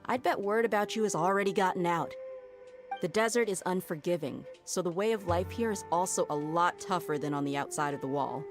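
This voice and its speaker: Woman acting a low-voiced streetwise desert mercenary. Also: fairly quick, over music, lightly acted. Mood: firm, assured. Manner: folksy, self-assured, explanatory. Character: shrewd, streetwise female desert mercenary, confident and easygoing. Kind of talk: video game voice acting.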